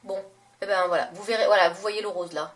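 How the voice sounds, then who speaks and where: A woman's voice: medium pitch, fairly even intonation, brisk, distant mic. A young woman talking casually in a makeup haul vlog, chatty and gushing, with many fillers and self-corrections. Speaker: beauty vlogger.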